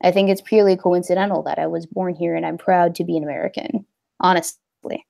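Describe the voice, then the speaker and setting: A woman's voice: fairly low pitch, steady tone, a little fast, creaky, dark tone. A young woman hosting a casual livestream, talking in a rambling, hesitant way with many fillers. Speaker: livestream host.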